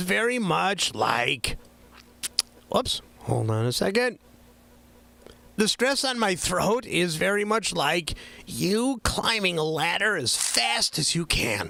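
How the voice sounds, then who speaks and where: Speaking very slowly, a man uses a raised, projected voice. His pitch is high. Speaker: home recording tutorial host. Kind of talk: live stream chat. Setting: live stream. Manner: halting, repeats words.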